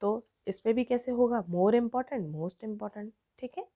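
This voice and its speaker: An Indian-accented woman teaches a grammar lesson at an unhurried pace. She stretches out example words and explains each step patiently. Her voice is dark and mellow. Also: fairly high pitch, dull audio. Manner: slow, drawn-out word-by-word explanation, mixing Hindi and English.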